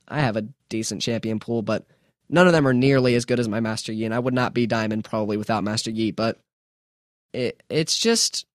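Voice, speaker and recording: Young adult male podcast host, casual and rambling, mid-pitched voice, dry close recording. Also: dry recording. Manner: chatty, self-mocking, rambling with restarts. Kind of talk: casual solo podcast talk.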